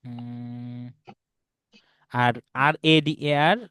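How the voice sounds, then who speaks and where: A man's voice: mid-range voice, steady tone, extremely slow, a bit bright, clean tone, no room sound. A man teaching an English class online, explaining patiently and checking often that students follow along. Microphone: video call.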